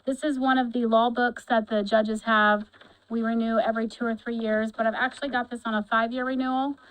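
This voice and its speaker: Brief: female court administrator, higher even voice, smooth, matter-of-fact. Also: brisk, poor audio. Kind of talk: brief presentation at a meeting.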